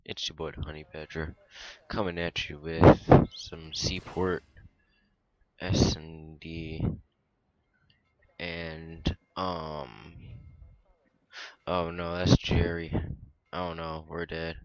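Young man, very deep, flat monotone, slow unhurried talk, gameplay chatter, mic right at his mouth. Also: dry recording, lo-fi sound. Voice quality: mic-eating, close to the mic. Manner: monotone, mumbled asides while playing. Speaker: gaming YouTuber. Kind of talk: casual gameplay commentary.

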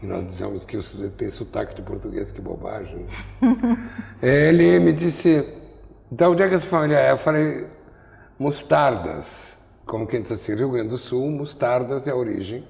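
A man's voice: mid-range voice, lively intonation, normal speed, vocal fry, a little mellow, in a large hall. An older man from Brazil interviewing in an artist's studio on a lapel mic, telling wry, digressive stories. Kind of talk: rambling conversational interview.

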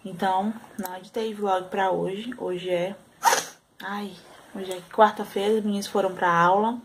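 A woman's voice: medium pitch, steady tone, normal speed, heavy background noise. A young Brazilian mother vlogging casually at home, tired after a sleepless night, talking in a chatty way full of sighs. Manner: chatty, sighing, with frequent "ai" and "né".

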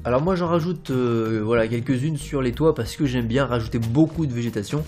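A man's voice: mid-range voice, brisk, darkish tone. A young man narrates a Minecraft building tutorial in a casual, rambling, playful way, full of fillers and little "hop" sounds. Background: faint background music.

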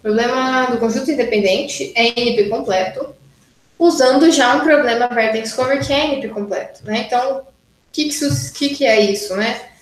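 A woman's voice: on the high side, normal speed, reverberant, a little hiss or hum, low-quality recording. A woman university lecturer teaching an online class, working through exercises step by step and checking in with students often. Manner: explains step by step, frequent "né?" and "tá?" checks.

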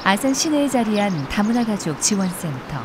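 A woman's voice: medium pitch, big pitch swings, moderate pace, background noise. A woman reading scripted documentary narration. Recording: prominent music behind voice-over.

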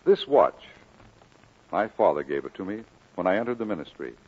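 An actor playing a solemn, declamatory preacher full of grief and conviction, in mid-century radio drama style. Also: male voice, low-pitched, big pitch swings, normal speed, breathy edge, exaggerated voice. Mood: tender, sorrowful. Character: impassioned, grieving preacher leaving his valley, firm and commanding. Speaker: minister. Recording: muffled old radio recording.

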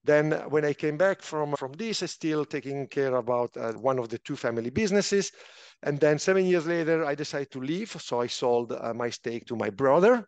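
A middle-aged man from Italian-speaking Switzerland with an Italian accent, telling his career story in an interview in slightly imperfect, lively English. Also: fairly high pitch, moderate pace, dry recording. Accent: Swiss Italian. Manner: animated, slightly imperfect English, frequent restarts. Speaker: guest, finance official.

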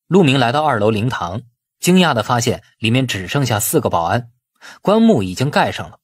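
A man reading a novel aloud as expressive scripted narration. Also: mid-range voice, brisk, husky, no room sound, clean studio sound. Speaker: audiobook narrator.

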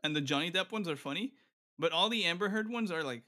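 A man's voice: on the high side, lively intonation, fast, crowd noise. A young man playing a game with a friend, chatting casually and teasing him with laughing banter. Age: young adult. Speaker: guest co-player. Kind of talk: casual gaming chat.

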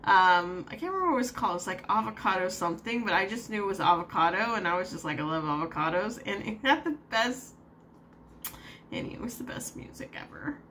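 A woman's voice: medium pitch, animated, fast, pushed and bright, slight background noise. A woman vlogging casually from her home, rambling with lots of fillers and little laughs as she vents her frustration. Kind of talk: casual vlog chat.

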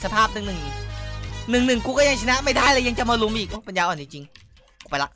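A young man giving excitable, loud gameplay commentary, cursing and yelling at opponents, his throat sore from shouting. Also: high-pitched, quick pace. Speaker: gaming YouTuber. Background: game music.

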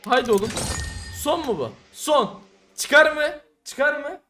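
A man's voice: very high-pitched, animated, unhurried, bright, forceful tone. A young man commenting casually on a mobile game, exasperated and cursing at his bad luck. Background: music.

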